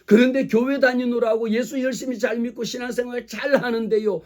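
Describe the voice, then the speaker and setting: Male pastor, sermon. Lively preaching to the congregation, high and mellow voice. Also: fairly quick. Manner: animated preaching, acts out quoted voices; speaks directly to the congregation with rhetorical questions.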